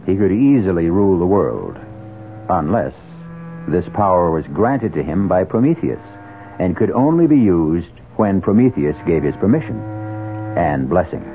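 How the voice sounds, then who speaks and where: Ominous radio mystery host, super deep, swooping delivery, music under him, old muffled broadcast. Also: male voice, sing-song, normal speed. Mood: ominous suspense. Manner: portentous, theatrical, rhetorical questions. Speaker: host and narrator. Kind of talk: suspenseful scripted radio drama narration. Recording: band-limited 1970s radio, music behind.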